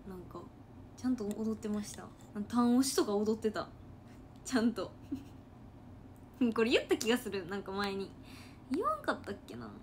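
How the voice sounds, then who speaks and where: A woman's voice: medium pitch, sing-song, normal speed, long pauses, a little hiss or hum. A woman with a Kansai accent chatting casually on a late-night livestream, reading comments in a loose, giggly, rambling way and sounding sleepy. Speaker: idol trainee livestreaming.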